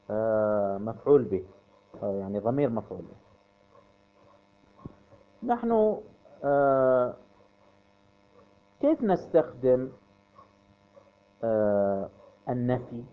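Slow-paced male teacher on a tinny line. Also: mid-range voice. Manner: repeats each example phrase slowly for learners. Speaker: English teacher. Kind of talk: slow language lesson. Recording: tinny phone-like audio with mains hum.

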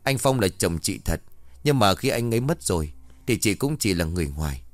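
A man's voice: on the low side, big pitch swings, a little fast, no room sound. A man voicing an indignant middle-aged younger son in a ghost story, lecturing and reproachful.

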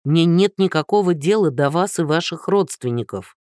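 Tired gentleman, low and patient, voiced by the narrator; dry recording. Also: expressive, normal speed, dry recording, natural voice. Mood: weary. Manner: tired, restrained, lower. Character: weary, polite middle-aged man.

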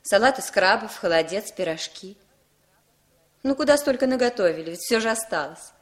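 Actress as a controlling young woman: brisk, firm, commanding, 1960s radio drama. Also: medium pitch, expressive, close to an everyday voice.

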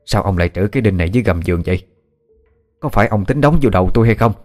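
A man voicing a scheming old mother-in-law in a ghost story, with a shrill wailing voice. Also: animated, very fast, a little mellow, faint music behind, lightly acted.

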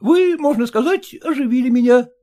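A reedy, high-pitched penny-pinching clerk, servile and fussy, bowing and scraping with every reply, as a male storyteller puts him on. His voice hops up and down in eager, nervous lilts. He mutters his answers, ever deferential, in a storybook reading. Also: lively intonation, normal speed, mellow. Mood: fawning. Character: fussy, stingy, obsequious male clerk, son-in-law.

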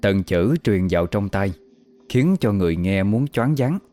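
A man telling a horror story in slow, even, suspenseful narration. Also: on the low side. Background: faint music.

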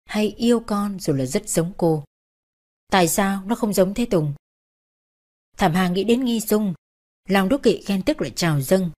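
A woman's voice: medium pitch, darkish tone. A woman reading a novel aloud as narrator, taking every role in the same plain voice.

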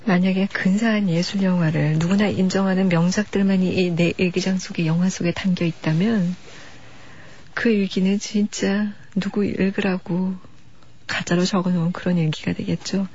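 A woman hosts a late-night radio music program in a soft, unhurried way, reading listener letters gently. Her voice sits low and mellow with a husky edge. The sound is a dull, lo-fi broadcast archive recording. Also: fairly even intonation.

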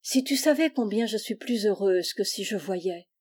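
A woman voicing a gentle, pious blind young girl in a storybook reading, soft, calm and resigned. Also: medium pitch, normal speed, slightly rough.

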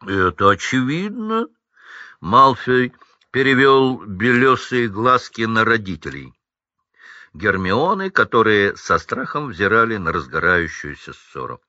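A man reading a children's fantasy book aloud, narrating with lively, measured expression. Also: on the low side, dry recording, highs cut off. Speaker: audiobook reader.

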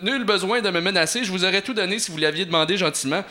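A man playing a prissy, whimpering little clerk with a raised, bright nasal tone, fussy and fearful, in a homemade story reading. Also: sits high, fast, voice pushed up. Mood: whining. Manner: whining, prissy. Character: sniveling timid male clerk.

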